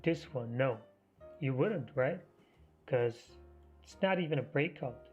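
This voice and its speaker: A man hosting a live trading stream, half losing his voice, talking through the market in a halting, think-aloud way. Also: medium pitch, lively intonation, a little mellow. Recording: muffled stream audio with faint music.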